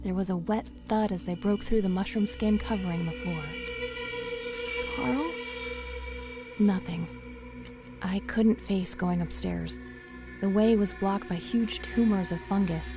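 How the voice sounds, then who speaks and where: Actress as horror-story heroine, numb with dread, gravelly edge, music underneath. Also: female voice, mid-range voice, steady tone, unhurried, long pauses, lightly acted. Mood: frightened pleading. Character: dazed, horror-struck woman narrating a fungal nightmare. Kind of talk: first-person horror audio drama narration.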